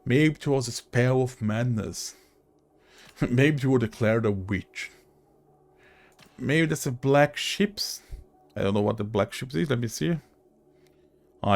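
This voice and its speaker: A man giving casual video game commentary as host, halting and thinking aloud as he goes. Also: medium pitch.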